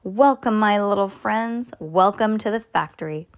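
An exuberant, eccentric little gentleman from a storybook , acted out by a woman. The voice is high and fluty, gushing with polite exclamations and effusive welcomes. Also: lightly acted. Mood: welcoming, excited. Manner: effusive, quick-fire exclamations and pleasantries. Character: exuberant, fussily polite, little eccentric male chocolate factory owner.

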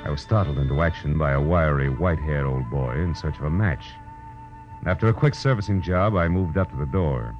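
An actor playing a wry, hard-boiled private detective in a 1940s radio drama, dry, laconic and unflappable. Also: male voice, rumbling low, a little fast. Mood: dry narration. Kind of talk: 1940s radio acting, noir first-person narration and dialogue. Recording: dull old radio recording with music.

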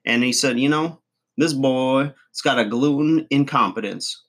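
A folksy redneck guru rambles through a comic advice show, as a man plays him. He chuckles, trails off and mangles big words. His voice sits at an everyday middle pitch. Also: a little slow, a bit bright. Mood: boastful rambling. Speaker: comedy channel host. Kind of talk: comic monologue to camera.

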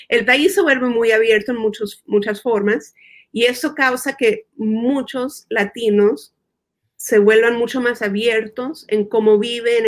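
A woman interviewee who lives in the United States, explaining her ideas thoughtfully, repeating words as she thinks and slipping in English terms. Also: a little high. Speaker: guest expert. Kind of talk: conversational interview.

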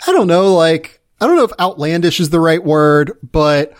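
A man's voice: fairly high pitch, lively intonation, normal speed. A man hosting a sports podcast in casual, conversational chat.

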